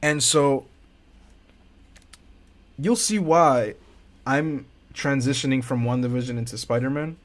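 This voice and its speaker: A young man talks his way through a casual reaction stream in an unhurried drawl. He leans on slang, restarts his sentences and throws in excited asides. His voice sits at an ordinary middle pitch. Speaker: host.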